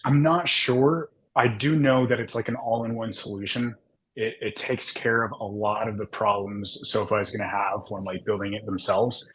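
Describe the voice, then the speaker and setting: Husky low-voiced guy in his twenties, rambly podcast explainer. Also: steady tone, normal speed, a bit bright, low-quality recording. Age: 20s. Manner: rambling, lots of restarts and fillers. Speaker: podcast co-host. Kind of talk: casual finance discussion.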